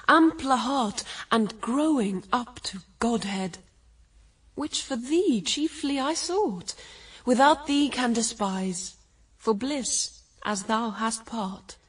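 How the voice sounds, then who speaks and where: A blithe, seductive first woman in a classical radio drama. Her high voice is hushed and breathy as she draws out persuasive verse. She sounds slightly away from the mic. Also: distant mic.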